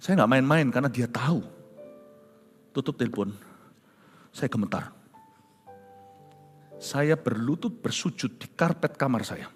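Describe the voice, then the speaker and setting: Animated preacher man, big swings in pitch, church hall echo. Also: measured pace, pauses often. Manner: animated, dramatic, mixes in English phrases. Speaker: pastor. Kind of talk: sermon storytelling. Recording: long church reverb with soft music.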